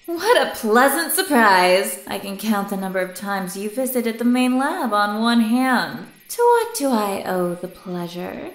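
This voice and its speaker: A woman's voice: medium pitch, sing-song, unhurried, few pauses. A woman playing a condescending, wordy scientist in an audio drama, with theatrical delivery. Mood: condescending, amused. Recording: roomy, echoing sound.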